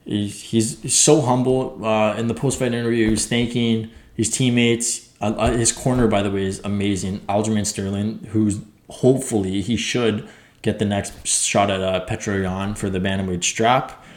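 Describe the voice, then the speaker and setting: A young man casually recapping fights as a podcast host, rambling and excitable, swearing now and then. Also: lowish voice, normal speed. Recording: echoey room.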